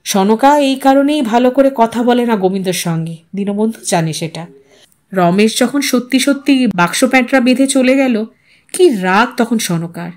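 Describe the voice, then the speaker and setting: A woman storyteller reading literary fiction aloud as expressive, scripted audiostory narration. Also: a little high, moderate pace.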